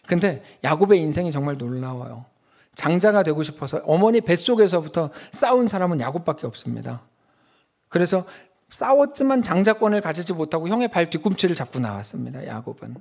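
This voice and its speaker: A male pastor delivering a sermon, emphatic, with rhetorical questions to the congregation. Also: sits high.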